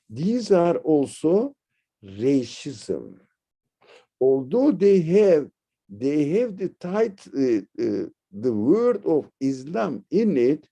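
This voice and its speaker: A man from Turkey, teaching religion in a discussion, halting and searching for words, then rising sharply to stress key points. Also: fairly high pitch, warm tone, breathy edge. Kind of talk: lecture-style discussion.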